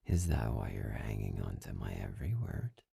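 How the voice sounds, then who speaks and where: A man acting an arrogant, domineering master in an intimate ASMR roleplay, slow and condescending, with a breathy, gravelly voice that often drops into a whisper. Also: extremely low pitch, very animated, warm tone, no echo, clean studio sound, exaggerated voice. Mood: teasing, smug. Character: arrogant, domineering young male master, cold and mocking.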